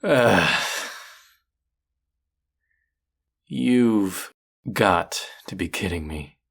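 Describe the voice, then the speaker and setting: A man playing a young chef in an intimate audio roleplay, a combative, exasperated rival with an earnest, tender side and a gravelly, halting delivery. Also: low voice, animated, fairly bright tone, exaggerated voice.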